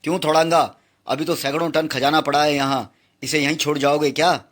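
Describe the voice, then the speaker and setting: A man voicing a calm, confident male superhero in a comic book reading, composed and taunting. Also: fairly high pitch, brisk, lightly acted.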